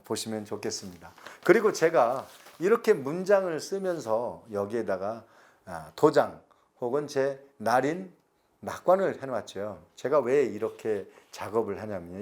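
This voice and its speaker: A middle-aged man, giving a recorded lecture slowly and deliberately, stretching words and pausing. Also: mid-range voice, very animated, a little mellow. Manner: slow, deliberate explanation with drawn-out words and pauses.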